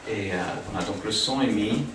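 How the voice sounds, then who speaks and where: American-raised man, guest church speaker, hesitant, low voice, distant and roomy recording with noise. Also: normal speed. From United States. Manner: hesitant, many fillers and restarts. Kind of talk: informal talk to a small congregation. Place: living room used for a home church. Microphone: distant camera, speaking through a small PA. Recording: echoey room from a distant camera, audible noise.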